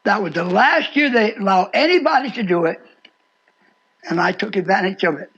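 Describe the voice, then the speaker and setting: Elderly male preacher in his 80s, very high husky voice, theatrical folksy delivery, muffled lo-fi radio sound. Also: expressive, normal speed, fairly bright tone. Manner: theatrical, acts out dialogue, repeats phrases for emphasis. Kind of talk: folksy storytelling sermon. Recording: dull lo-fi shortwave radio sound.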